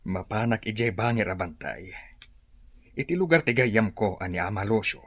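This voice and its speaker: An actor playing a steadfast tribal leader and reassuring husband in a radio drama, with a bright, husky voice. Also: male voice, fairly low pitch, animated, moderate pace, no room sound.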